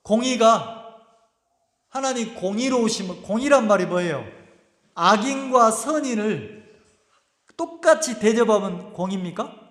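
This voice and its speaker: A male pastor's high-pitched, fairly bright voice fills a church sanctuary, the long reverb of the hall trailing each line. He delivers his sermon with force, hurling one rhetorical question after another at the congregation.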